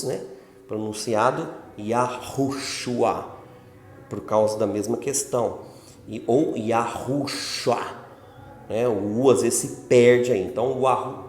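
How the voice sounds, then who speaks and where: A man's voice: mid-range voice, a little mellow. A man giving an informal religious teaching talk, speaking conversationally and often checking in with the listener. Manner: conversational, frequent filler tags like "né" and "ok". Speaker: religious channel host. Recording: roomy echo.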